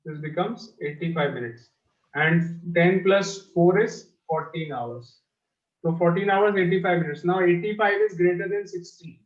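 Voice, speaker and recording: South asian guy teaching maths class, highish voice, says things twice, muffled echoey sound. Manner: repeats phrases slowly for pupils. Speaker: mathematics teacher. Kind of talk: online maths lesson, explaining step by step. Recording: dull, echoey lo-fi class audio.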